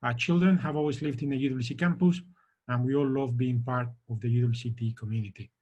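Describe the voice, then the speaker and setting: A middle-aged man speaks as the head of a college, delivering a formal welcome address in a measured, earnest way. His voice has a husky, slightly breathy texture at an average pitch for a man. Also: steady tone, mellow.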